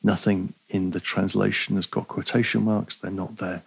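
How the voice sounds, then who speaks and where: A man giving an academic philosophy lecture, measured and digressive, reading quotes aloud and checking in with his listeners. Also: low voice, little pitch movement, gravelly, slightly rough, low-quality recording. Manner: measured, digressive, with fillers and rhetorical "right?".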